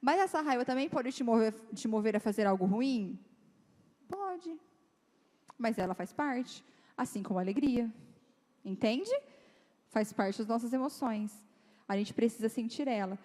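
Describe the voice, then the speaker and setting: A woman's voice: a little high, measured pace, pauses often. Chatty woman speaker in a reverberant hall. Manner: lively, chatty, acts out dialogue in quoted voices. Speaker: guest speaker at a youth church meeting. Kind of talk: informal talk to teenagers. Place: church hall. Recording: long reverb of a church hall.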